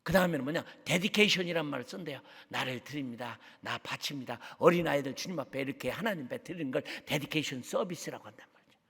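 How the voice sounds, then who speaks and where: A man preaching a sermon as a guest missionary, fervent, dropping to hushed tones and rising to shouts. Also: fairly high pitch, very fast, creaky, breathy edge. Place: church sanctuary. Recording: long church hall reverb.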